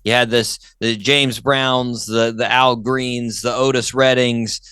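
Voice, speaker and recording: A man's voice: medium pitch, flat delivery, takes it slowly, sharp tone, smooth, no room sound. A man hosting a music interview in a casual, enthusiastic way, often repeating his phrases. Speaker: talk show host.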